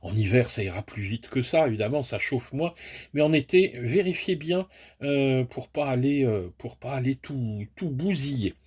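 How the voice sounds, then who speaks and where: A man's voice: medium pitch, expressive, normal speed, darkish tone, slightly rough. A man giving a chatty, self-mocking unboxing review of a remote-control car, explaining each step as he goes. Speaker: toy and hobby product reviewer.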